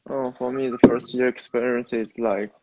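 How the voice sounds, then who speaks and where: A young man from China with a Mandarin Chinese accent, a native Mandarin speaker answering interview questions as a university student in halting, non-native phrasing. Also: medium pitch, fairly even intonation, muffled recording, very noisy. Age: young adult.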